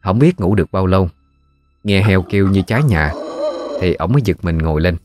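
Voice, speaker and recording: A man with a Southern Vietnamese accent narrating a ghost story in a folksy, unhurried way. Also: sits low, animated, music in the background.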